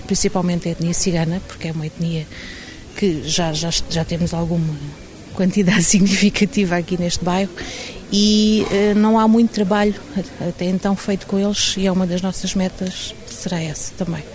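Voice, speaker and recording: A woman's voice: fairly low pitch, little pitch movement, moderate pace, a little mellow. Hesitant woman project coordinator. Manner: hesitant, with fillers and restarts. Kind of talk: interview.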